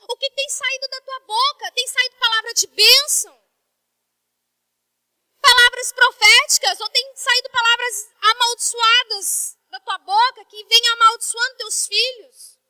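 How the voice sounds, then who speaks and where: A woman's voice: very high-pitched, bright, forceful tone, dry recording. A woman pastor in her thirties from Brazil, preaching a sermon in a conversational, emotional way.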